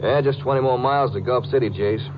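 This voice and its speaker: A man's voice: mid-range voice, quick pace, natural voice. An American actor playing a loyal, cautious lawman's sidekick in a 1950s radio drama, speaking in a plain, folksy way. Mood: concerned. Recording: muffled, noisy old radio recording.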